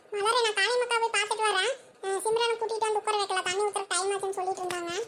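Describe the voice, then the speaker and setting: A woman's squeaky, cartoonish character voice at an extremely high pitch, fairly quick and monotone with flat intonation. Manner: chatty, familiar.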